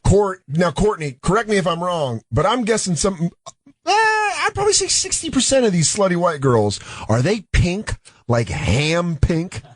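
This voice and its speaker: A man's voice: high voice, very animated, normal speed. A man co-hosting a comedy radio call-in show, joking bluntly with callers. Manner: blunt, joking, takes calls. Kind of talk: casual comedic chat. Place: radio studio.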